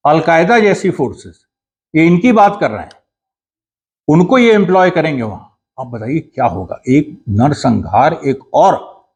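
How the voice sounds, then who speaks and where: A man giving an earnest, explanatory commentary monologue, pausing and restarting often. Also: a little high, darkish tone, slightly rough. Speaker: political commentator.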